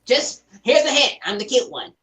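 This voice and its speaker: Woman playing a boastful young man, chirpy and playful, high lively voice. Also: moderate pace. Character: chirpy vain young man, a self-proclaimed cute smart twin.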